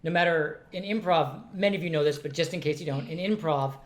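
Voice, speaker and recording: A middle-aged man hosting a casual family podcast, a father talking loudly and joking at his own expense. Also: a little high, fast talker. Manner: loud, joking, self-mocking.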